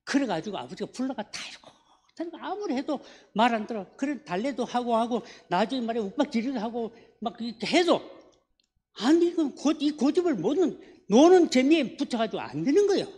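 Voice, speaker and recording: A man's voice: extremely high pitch, very animated, brisk, darkish tone. A man with a Gyeongsang accent preaching a sermon as a pastor in a church, often asking the congregation questions. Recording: echoey church hall.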